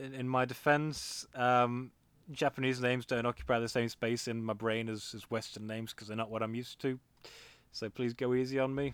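A man with an English accent speaks in a monotone, flat intonation at a medium pitch in a very clean recording with a silent background. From England. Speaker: podcast co-host. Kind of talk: casual chat.

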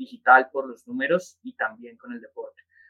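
A man's bright, sharp tone with ordinary pitch variation, at a moderate pace, in a dry, close sound with no echo. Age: 20s. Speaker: digital marketing manager. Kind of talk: interview.

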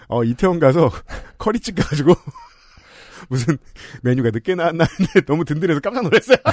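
A man's fairly high voice with very wide pitch swings, very fast pace and long, frequent pauses. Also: dry, close sound with no echo. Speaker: podcast co-host. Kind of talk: casual chat.

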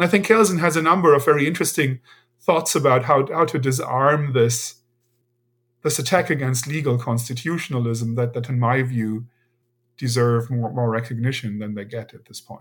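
A man speaks with a German accent and ordinary pitch variation. The recording is very clean, with a silent background. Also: medium pitch for a man, moderate pace, big swings in loudness. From Germany. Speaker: law professor. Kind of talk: academic interview. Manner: hesitant, many repetitions and fillers.

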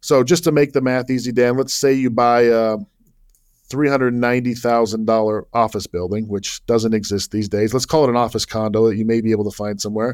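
A man speaks with a normal speaking voice at a medium pitch and a moderate pace. His intonation is fairly even, and the recording is very clean with a silent background. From Utah (Salt Lake City). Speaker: cost segregation expert. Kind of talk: interview.

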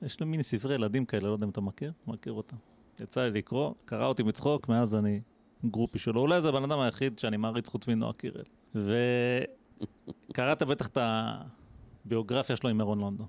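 A man with an ordinary speaking voice talks at a fairly quick pace, medium in pitch with ordinary pitch variation. The recording is very clean with a silent background, and the sound is dry and close, without echo. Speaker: podcast host. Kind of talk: casual chat. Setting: studio.

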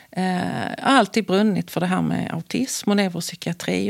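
This woman has an unremarkable speaking voice, medium in pitch, and her intonation stays fairly even. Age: 40s. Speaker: care sector manager. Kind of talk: casual interview. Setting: studio.

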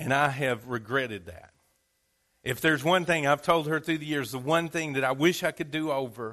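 A man with an American accent speaks at a moderate pace over a quiet background, his intonation fairly even. His tone is warm yet bright and sharp. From Southeast Texas. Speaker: pastor. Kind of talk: sermon. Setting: church. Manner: conversational, warm, joking with congregation.

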